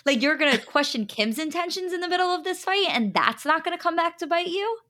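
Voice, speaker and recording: A woman's voice: very high voice, lively intonation, a little fast, bright, forceful tone. A woman co-hosting a podcast, giving opinions in casual chat with emphatic rhetorical questions. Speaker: podcast co-host.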